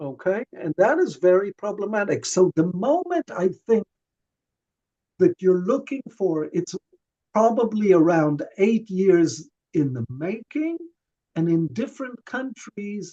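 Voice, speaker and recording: A man with a high pitch and a dark, mellow tone talks at a fairly slow pace with lively intonation. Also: dry, close sound with no echo. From Israel. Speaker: professor. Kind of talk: lecture.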